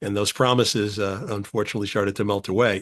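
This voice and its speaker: A man with a normal speaking voice, fairly low in pitch, fairly quick, with fairly even intonation, against a quiet background. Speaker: podcast host. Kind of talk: interview question.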